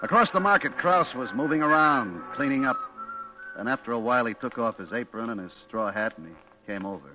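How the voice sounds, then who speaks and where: An actor playing a nervous young American market clerk in an old radio suspense play, slangy and confiding, stammering when cornered. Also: male voice, medium pitch, animated, a little fast, pushed and bright, muffled recording, soft background music. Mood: uneasy. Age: young adult. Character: nervous young market clerk having a secret affair, telling his story. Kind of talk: 1940s-50s American radio suspense acting.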